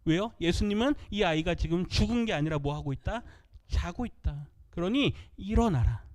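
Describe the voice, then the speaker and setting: High-voiced pastor preaching a sermon. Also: male voice, animated, moderate pace, a little mellow. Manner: asks the congregation questions and answers them himself; reads scripture aloud with the congregation. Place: church.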